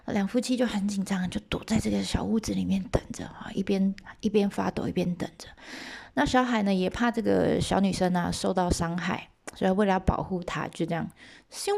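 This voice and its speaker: A woman storyteller, retelling a legend for listeners in a loose, chatty way. Her mid-range voice carries a noticeable gravelly fry. She keeps turning to the audience with little asides and tags. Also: mid-range voice. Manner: lively, asides to listeners, lots of OK and 哈.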